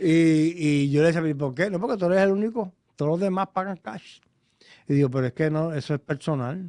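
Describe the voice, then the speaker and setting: With a Puerto Rican accent, a man speaks at a fairly quick pace and a high pitch with ordinary pitch variation and a dark, mellow tone, the sound dry and close with no echo against a quiet background. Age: 60s. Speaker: former senator. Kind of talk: interview testimony. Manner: animated.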